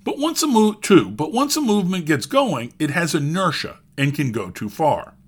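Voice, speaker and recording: A middle-aged man delivers scripted opinion commentary on the news. His voice sits a little high and swings widely in pitch. He reads quotes aloud and breaks them with dry, wry asides. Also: very animated, moderate pace, slightly rough. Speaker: commentary host.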